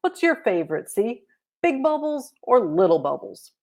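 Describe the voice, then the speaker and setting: An excitable young schoolgirl from a storybook, voiced by a woman reader. She is eager and a bit bossy, her pitch raised and swooping with emphatic exclamations. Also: moderate pace. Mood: enthusiastic.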